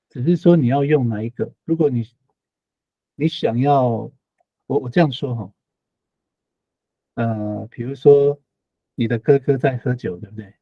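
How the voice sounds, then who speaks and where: A man's voice: medium pitch, dark tone, breathy edge, dry recording. Man, online language teacher, patient, repeats himself, dry muffled recording. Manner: patient explaining, repeats phrases, frequent tag particles.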